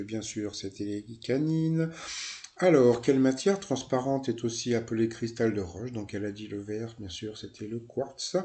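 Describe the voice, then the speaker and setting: A man's voice: medium pitch, dark tone. Rambling man recapping a quiz show. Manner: rambling, many fillers, asides and self-corrections. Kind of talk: casual recap commentary.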